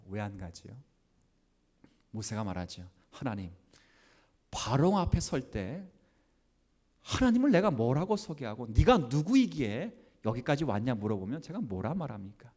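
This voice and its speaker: A male pastor preaching a sermon in church, acting out dialogue and swinging from soft asides to loud, emphatic passages. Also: medium pitch. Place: church sanctuary.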